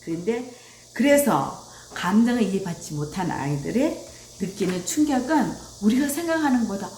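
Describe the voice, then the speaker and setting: A woman's voice: medium pitch, normal speed, a little hiss or hum. A woman giving a lecture on parenting, speaking animatedly and acting out bits of dialogue. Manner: animated, acts out quoted dialogue. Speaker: parenting educator. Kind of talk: lecture on child rearing. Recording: roomy echo.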